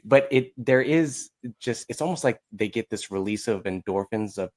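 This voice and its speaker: Lower-pitched American man, halting podcast talk. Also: expressive, darkish tone. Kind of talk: casual podcast discussion.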